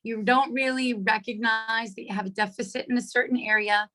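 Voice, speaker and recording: Hoarse, bright-voiced woman coaching. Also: fairly high pitch, steady tone, fairly quick. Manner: chatty, checks in with "right?" and "okay?". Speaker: workshop leader. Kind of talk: live online coaching talk.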